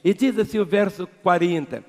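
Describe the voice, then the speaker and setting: A Brazilian pastor with a fairly high voice delivers a sermon, pressing his points hard and then dropping to soft, low asides. His voice rings with the long reverb of a large church hall. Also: normal speed. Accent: Brazilian Portuguese. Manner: emphatic, preacherly, swinging between loud exhortation and quiet low asides.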